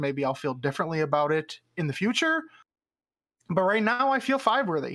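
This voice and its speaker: With an American accent, a man talks at a fairly quick pace in a high pitch, using lively intonation and a bright, sharp tone on a very clean recording with a silent background. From Kalamazoo, Michigan, US Midwest. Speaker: podcast co-host. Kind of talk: casual banter.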